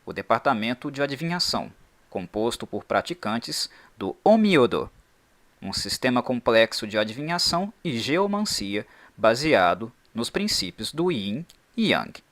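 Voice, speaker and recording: A man hosting a channel, reading a scripted explainer in an expressive, emphatic way. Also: medium pitch, measured pace. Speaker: channel host.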